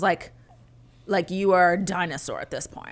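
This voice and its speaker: At a moderate pace, a woman talks in an ordinary speaking voice at a medium pitch. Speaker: podcast co-host. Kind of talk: casual chat.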